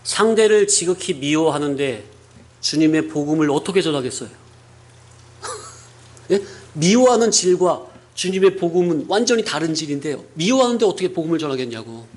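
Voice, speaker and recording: Lively high-voiced male pastor preaching. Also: moderate pace. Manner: animated, rhetorical questions, chuckling. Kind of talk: sermon.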